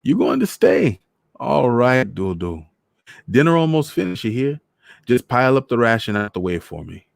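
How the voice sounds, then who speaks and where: A man's voice: medium pitch, sing-song, moderate pace, vocal fry, no room sound, clean studio sound, voice pushed up. A man voicing a lonely, cheerful old man from Trinidad, speaking in a lilting island dialect with a Trinidadian accent. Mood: overjoyed.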